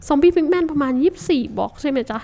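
A woman hosting a survival game let's-play, talking to herself in a chatty, casual way with sudden startled shouts. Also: high-pitched, lively intonation, racing, gravelly. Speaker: Minecraft let's-play host.

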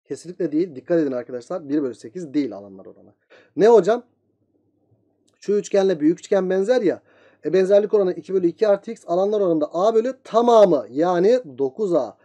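A male teacher rattles through a geometry review at a breakneck pace. His voice sits high for a man but has a mellow, soft-edged tone. He keeps asking the students' questions himself and then answering them. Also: expressive. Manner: very fast talker, voicing student questions himself. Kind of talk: geometry lesson.

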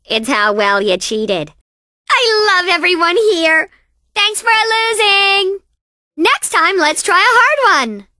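Coco Bandicoot, very high, sassy cartoon girl. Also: sing-song, takes it slowly, pushed and bright, no echo, clean studio sound, heavily acted. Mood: cocky. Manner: sassy, boastful, cartoonishly exaggerated delivery. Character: perky, cocky young female bandicoot racer. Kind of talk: video game character voice lines.

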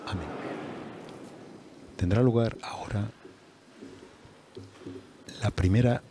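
A man with an accent from Spain giving measured, reverent live commentary and translation of a church ceremony. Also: lowish voice, dark tone, a little hiss or hum. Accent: Spain Spanish. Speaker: broadcast commentator and interpreter.

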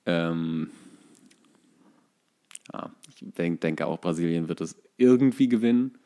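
A man with a low voice and plenty of vocal fry. He co-hosts a casual football chat and talks hesitantly, feeling around for the next word. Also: expressive, slow, warm tone. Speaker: podcast co-host.

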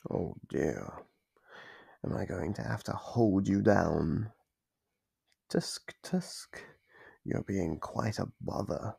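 A man voicing a sadistic, playful monster in an ASMR roleplay, gravelly and breathy, taunting and often slipping into whispers. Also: fairly low pitch, a little mellow, no echo, heavily acted. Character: sadistic, playful monster from under the bed, hungry for fear.

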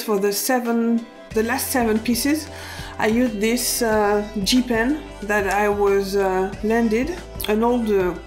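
A woman in her thirties with a French accent, casually presenting a sketchbook tour in halting English as an illustrator and channel host. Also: mid-range voice.

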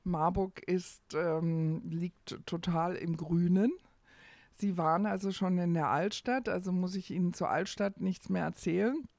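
A woman's voice: lowish voice, unhurried, a little mellow, no room sound. A middle-aged woman, talking conversationally as an interview guest and searching for her phrasing as she goes. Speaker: hotel owner, interview guest.

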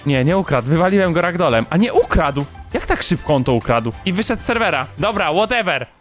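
A high-pitched man commenting on his game in an excited rush, repeating phrases and bursting into shouts. Faint music plays softly behind his voice. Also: a little fast. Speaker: gaming YouTuber.

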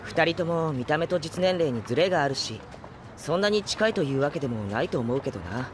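Gentle, lighter-pitched young man played by an actor. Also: animated, a little fast, close to an everyday voice. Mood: mild, curious. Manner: mild, polite, soft questioning. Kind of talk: anime-style audio drama acting. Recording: clear background ambient noise.

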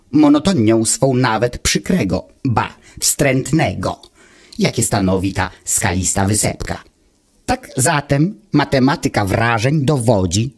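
A man voicing a calm, pedantic male mechanical friend who lectures with cold, measured reasoning, in an audiobook reading of a fairy tale. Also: mid-range voice, husky.

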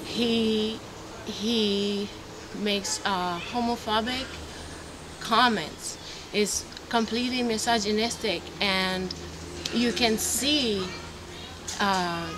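Slow-spoken woman outdoors. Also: mid-range voice, steady tone. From Puerto Rico. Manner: earnest, explaining, with hesitations. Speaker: farmer and volunteer. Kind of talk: interview answers. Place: outdoors by a bottle wall. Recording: outdoor camera audio with background noise.

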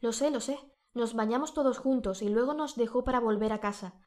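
A woman's voice: fairly high pitch, brisk, natural voice. A woman voicing an anxious, brusque young husband calling out to his wife. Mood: worried. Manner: urgent, calling out loudly.

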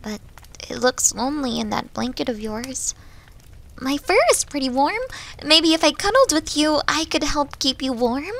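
A woman playing a needy, devoted young yandere wolf girl in an ASMR roleplay, with a hesitant, breathy, pleading manner. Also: high-pitched, moderate pace, fairly bright tone, slight background noise. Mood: timid, hopeful.

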